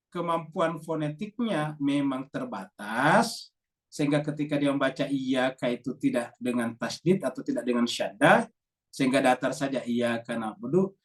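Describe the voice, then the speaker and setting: A man teaching a congregation in a patient, explanatory way, often repeating a word and tagging his points with "ya". His voice sits at an ordinary middle pitch. He sounds a little distant, as if he were some way off from the microphone. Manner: explanatory, repeats key words with a stretched "ya". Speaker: Islamic teacher. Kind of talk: religious lecture to a congregation.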